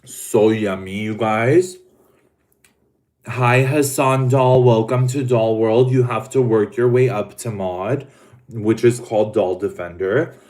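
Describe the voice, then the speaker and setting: A man hosts a casual livestream and chats to viewers in a camp, dramatic way, stretching out his words. He talks slowly in a lowish voice. Now and then he pauses to eat. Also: steady tone, warm tone. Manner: eating while talking. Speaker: livestream host.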